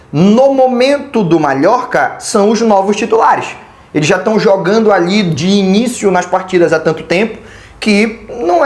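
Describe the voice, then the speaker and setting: A host with a Brazilian Portuguese accent breaks down an upcoming match in a loose, opinionated way, dropping slang as they go. The pitch sits in the middle range. The room around the voice is noticeably echoey. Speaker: football channel host. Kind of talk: pre-match football analysis.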